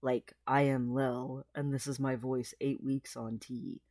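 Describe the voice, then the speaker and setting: A man's voice: medium pitch, little pitch movement, a little slow, darkish tone, dry recording, studio quality. A trans man rambling through a casual video diary, with lots of fillers and frequent laughs, his voice sometimes cracking. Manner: chatty and rambling, many fillers, laughs often. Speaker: vlogger.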